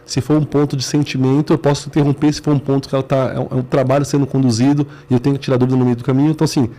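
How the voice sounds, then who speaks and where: Speaking fast and flat in a mid-range, warm voice, a Brazilian-accented CEO of a business management firm explains his views as an interview guest. He builds his points earnestly from short phrases stacked together.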